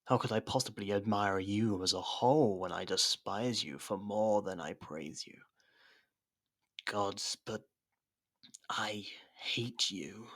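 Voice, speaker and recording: A man playing a captured, haughty royal rival with dry sarcasm and theatrical pauses in an ASMR roleplay. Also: lowish voice. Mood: bitter longing.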